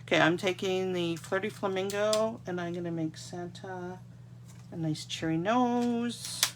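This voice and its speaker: Filmed from above so only her hands show, a woman from Canada talks her viewers through card-making at her desk during a casual live tutorial. She's coming down with a cold and sounds congested, her fairly low voice moving at a measured pace over slight background noise.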